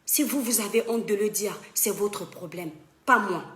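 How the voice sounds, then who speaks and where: A woman's voice: medium pitch, normal speed, a bit bright, reverberant. A young woman talking straight to her viewers in an impassioned live-stream monologue. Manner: impassioned, addresses viewers as "mes étoiles". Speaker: social media live streamer. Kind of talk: emphatic Facebook live monologue. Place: home in western France.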